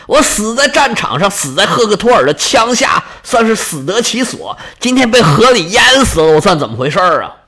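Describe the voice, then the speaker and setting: A man voicing a boastful young male warrior hero who pleads and shouts desperately to the gods. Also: sits high, very animated, fairly quick, few pauses, exaggerated voice. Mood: desperate pleading.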